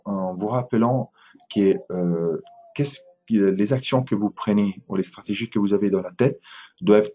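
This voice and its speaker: Man with Italian accent, very deep voice, dark husky tone, hesitant webinar talk, dull lo-fi sound. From Italy. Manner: hesitant, many fillers and restarts. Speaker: webinar presenter. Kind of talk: webinar presentation.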